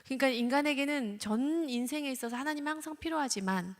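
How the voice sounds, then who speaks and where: A woman's voice: sits high, fast. A woman counselor giving a lecture at a church service, questioning her audience and acting out examples. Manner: engaging, asks the audience questions, acts out examples. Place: church sanctuary. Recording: church hall reverb.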